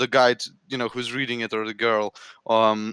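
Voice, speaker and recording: In a non-native accent, the voice moves at a moderate pace, dry and close with no echo, while music plays in the background. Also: man. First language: not English. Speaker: book discussion podcast host. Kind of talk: casual group discussion. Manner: halting, many repetitions.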